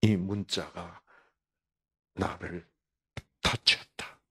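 A man's voice: sits low, level tone, extremely slow, a bit bright, husky. A man giving a conversational Bible lecture at a health program. He poses rhetorical questions and addresses listeners by name.

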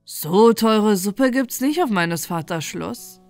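A woman doing a young king's son in a bedtime storybook, cheerful and curious, who marvels aloud at everything he finds. The voice stays close to the reader's own, gently lifted in wonder. Soft music plays faintly underneath. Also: medium pitch, animated, moderate pace, lightly acted.

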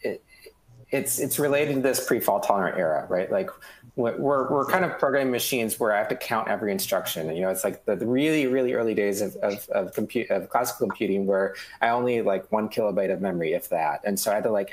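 A man's voice: lowish voice, roomy sound, rough recording. A man in his thirties explaining hardware on a video call panel, hesitant with frequent ums and uhs. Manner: measured, many ums and uhs. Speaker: hardware developer. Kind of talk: technical panel discussion. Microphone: headphones on a video call.

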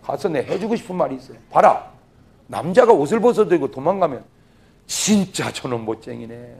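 A man voicing a general who grumbles in low mutters. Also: big pitch swings, brisk, vocal fry, a little mellow. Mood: grumbling.

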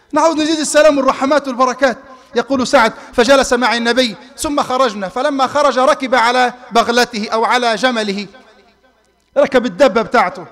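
High-voiced Egyptian preacher in a reverberant hall. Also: male voice. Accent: Egyptian Arabic. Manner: swings between loud emphatic peaks and soft asides. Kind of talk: Friday sermon. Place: mosque hall. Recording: reverberant mosque hall livestream.

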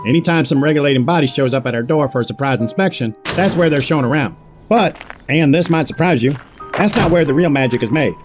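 A man's voice: fairly high pitch, quick pace, music in the background, natural voice. An actor playing a smug, unscrupulous corporate boss in an audio drama, with a pompous salesman's manner. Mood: smug, assured. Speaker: corporate head of a facility.

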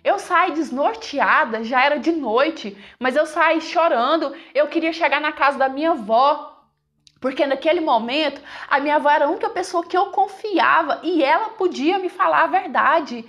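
A woman with a fairly high voice tells a dramatic first-person story, emotional and conversational. She addresses her listeners directly as she goes, like someone confiding a personal tale. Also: normal speed, a bit bright.

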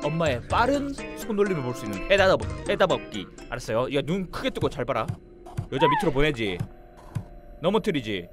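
Gaming host, male, high and wildly animated delivery over game music; excitable self-talk. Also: brisk. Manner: excitable, shouts and laughs, talks to himself. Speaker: gaming YouTuber. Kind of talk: lively let's-play commentary.

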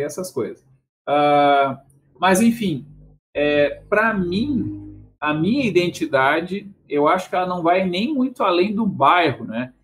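Man, fifties, porto alegre brazilian accent, rambling and chuckling, raised pitch, video call on headset. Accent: Porto Alegre Brazilian Portuguese. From southern Brazil. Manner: rambling, chuckling, with frequent tag questions. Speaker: guest in a debate. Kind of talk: casual video call conversation.

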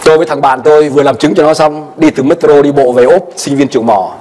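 A male pastor preaching a sermon and telling a personal story with animated delivery, his voice often jumping high for emphasis. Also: fast talker. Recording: long hall reverb.

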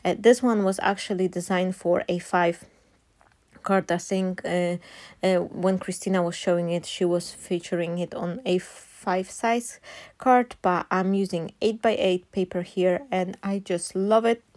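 A woman's voice: lowish voice, fairly even intonation, a little slow, darkish tone. A woman in her thirties from Poland with a Polish accent, talking through a card-making tutorial in an enthusiastic, chatty way with many fillers and restarts. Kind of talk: chatty craft tutorial voice-over.

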